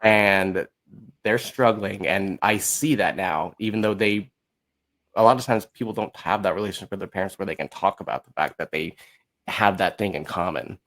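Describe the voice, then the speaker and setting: A man chatting casually as an interview guest, telling his story in a candid, animated, self-deprecating way. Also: low-pitched, moderate pace. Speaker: podcast guest, musical writer.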